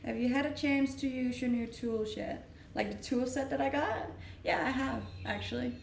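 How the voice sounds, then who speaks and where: A woman's voice: high voice, moderate pace, vocal fry, recorded from a distance. A woman in her twenties from Denmark, live streaming and chatting casually with viewers while reading comments, laughing often and restarting her sentences. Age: 20s. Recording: roomy echo, voice off-mic, faint noise.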